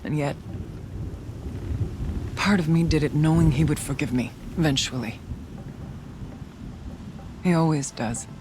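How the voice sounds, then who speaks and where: A woman playing a solemn, stubborn tribal shaman in a video game, speaking in an earnest, measured way. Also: low-pitched. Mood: defiant, hurt. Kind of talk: dramatic video game voice acting. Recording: storm and rain noise behind.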